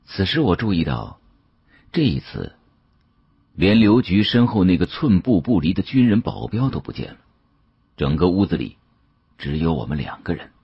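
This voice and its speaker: A man's voice: low voice, big pitch swings, normal speed, long pauses, husky, no echo. A man narrating a story dramatically in the first person as an audiobook reader. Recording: dull, muffled dry studio sound.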